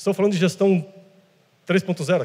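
Dark, mellow tone in a high-pitched male voice. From São Paulo, Brazil. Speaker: church conference speaker on entrepreneurship; conference speaker. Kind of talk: conference talk. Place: hall. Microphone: handheld.

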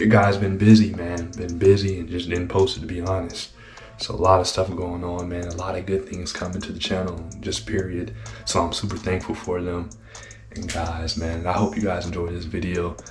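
Over clear background music, a man with a very deep, low voice talks at a moderate pace, with ordinary pitch variation and big swings in loudness. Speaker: car vlogger. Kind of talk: casual vlog chat. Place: home room. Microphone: phone near.

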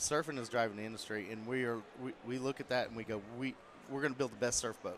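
Very fast speech from a man with an American accent, fairly even intonation and light background noise. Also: medium pitch for a man. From Oklahoma (Tulsa); Oklahoma. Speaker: boat company representative; guest. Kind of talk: casual interview. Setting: auto show floor with audience. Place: hall.

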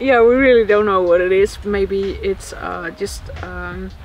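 A woman speaks at a very slow pace, with faint music playing behind her. The sound is dry, with no echo. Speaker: travel vlogger. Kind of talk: casual vlog chat. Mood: amused, slightly embarrassed. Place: open country.

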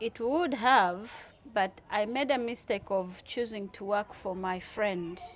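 Speaking at a very slow pace, a woman with a fairly high pitch uses ordinary pitch variation. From Uganda. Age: young. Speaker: returned migrant worker building a house. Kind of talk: casual interview, storytelling. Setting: at her home. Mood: reflective, sometimes frustrated. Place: garden.

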